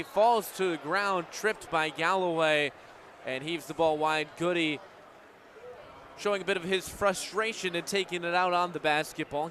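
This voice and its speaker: A young man from the United States, a radio play-by-play broadcaster, calls live sports in a bright, forceful, slightly high voice. The live game broadcast carries crowd and game noise behind him.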